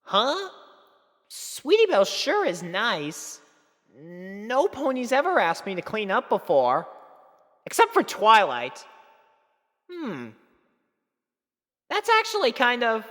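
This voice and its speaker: Woman voicing an excitable young boy dragon, pitched high. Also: slow, pauses often, no room sound, clean studio sound, full character voice. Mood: musing. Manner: hesitant, excitable, exclaiming. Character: young male dragon, eager, bashful, flustered helper.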